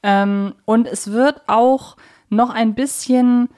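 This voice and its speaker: A woman's voice: fairly high pitch, fairly even intonation, slow, a little mellow. A woman co-hosting a podcast, discussing things casually and conversationally with emphatic wording. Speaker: podcast co-host.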